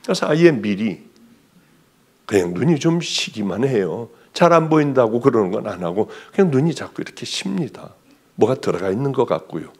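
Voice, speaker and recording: A male pastor preaching a sermon, telling a personal testimony with animated storytelling and acted-out dialogue. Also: mid-range voice, moderate pace, breathy edge.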